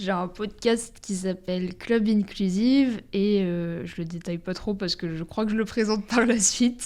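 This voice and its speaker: In a very clean recording with a silent background, a woman speaks at medium pitch with a dark, mellow tone and fairly even intonation. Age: 20s. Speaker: podcaster. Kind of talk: interview. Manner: casual with many fillers.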